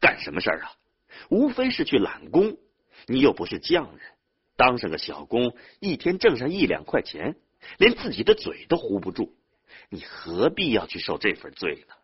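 A man's voice: medium pitch, huge pitch swings, moderate pace, husky, dull audio, pitched above the performer's own voice, exaggerated voice. A man voicing a hardworking young village man who scolds his younger brother in a raised voice. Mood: angry scolding.

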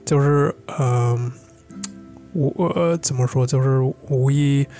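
A man's voice: medium pitch, slow pace, dark tone, faint music behind. A man who is an English speaker speaks in casual co-host chat, searching for words and mixing in English. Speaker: podcast co-host. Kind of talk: casual chat in learner's Mandarin.

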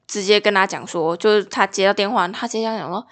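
A woman's voice: mid-range voice, quick pace. A young woman from Taiwan co-hosting a podcast, telling a story casually and acting out the dialogue. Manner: lively storyteller, acts out dialogue. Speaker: podcast co-host. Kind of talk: casual chat.

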